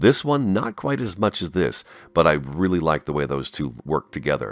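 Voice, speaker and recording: With a very deep, low pitch and some vocal fry, a man talks at a moderate pace with lively intonation. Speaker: gaming video creator. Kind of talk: let's play commentary. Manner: hesitant fillers.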